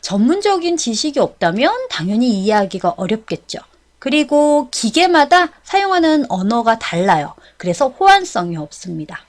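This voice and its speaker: A woman instructor delivers an explanatory lecture. Her voice sits fairly high and swings widely in pitch from phrase to phrase. She is polite and didactic, taking each point one step at a time. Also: big pitch swings, moderate pace. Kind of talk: explanatory exam-prep lecture.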